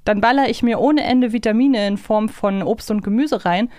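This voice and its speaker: A woman's voice: on the high side, normal speed, warm tone, no echo, clean studio sound. A woman co-hosting a podcast in casual chat, musing aloud and asking questions in a talkative way. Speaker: podcast co-host. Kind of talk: casual chat about an audio drama series.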